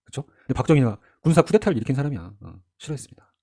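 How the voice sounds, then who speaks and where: A man's voice: mid-range voice, sing-song, very fast, vocal fry, dark tone. A middle-aged man giving a casual history lecture with a sore throat, chatty and full of rhetorical questions. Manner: chatty, asks the listener rhetorical questions, acts out quoted figures.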